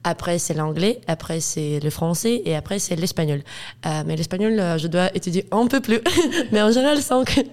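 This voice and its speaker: A woman's voice: on the low side, expressive, normal speed, darkish tone. An eighteen-year-old woman from Ukraine with a Ukrainian accent, speaking French as a second language in a casual interview, hesitant with many fillers and laughs. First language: Russian and Ukrainian. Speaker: guest, student.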